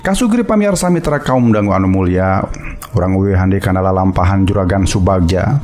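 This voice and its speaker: A man's voice: deep voice, animated, brisk, darkish tone, faint music behind. A man with a Sundanese accent, narrating a folk tale to his listeners as a storyteller.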